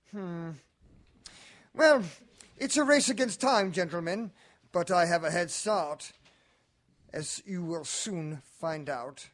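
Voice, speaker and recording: A sly, high-pitched gentleman villain, acted by a man in a radio mystery drama. He is arch and falsely genial, taunting his listeners with mocking politeness. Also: heavily acted. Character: sly, mocking male heir with murderous plans.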